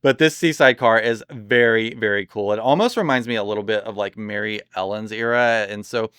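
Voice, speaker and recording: A man chatting casually and enthusiastically in a product review, rambling with lots of fillers, his voice slightly hoarse from overuse. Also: fairly low pitch, fairly quick, a bit bright, dry recording, clean studio sound. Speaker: doll collector reviewing products.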